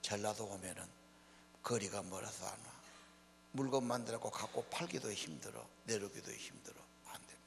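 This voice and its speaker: An older pastor from Korea's Honam region preaches in a church hall in a fairly low, gravelly voice at a brisk pace. His folksy sermon mixes plain talk with rhetorical questions aimed at the congregation. The hall's reverb and a mains hum are audible.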